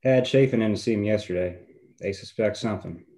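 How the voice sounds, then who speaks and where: A man's voice: lowish voice, a little fast, warm tone, close to an everyday voice. A man reading the part of a dry, folksy small-town tough in a drama table read.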